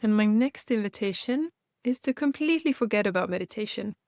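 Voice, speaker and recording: With an average female pitch and an expressive voice, a woman leads a guided meditation, giving gentle instructions and reassurance. She pauses unhurriedly between phrases, and the recording is very dry, with little room sound.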